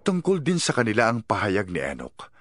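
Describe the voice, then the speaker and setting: A man with a Filipino accent reads scripture as a dramatized narration, solemn and emphatic, in measured phrases. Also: fairly low pitch, huge pitch swings. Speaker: audio Bible narrator. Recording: music under the voice. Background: music.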